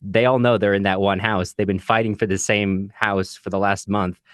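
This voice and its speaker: A man's voice: fairly low pitch, flat delivery, moderate pace, a bit bright, clean tone, no room sound, studio quality. An American man co-hosting a podcast, discussing a book in a casual, explanatory way with frequent asides. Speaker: podcast co-host.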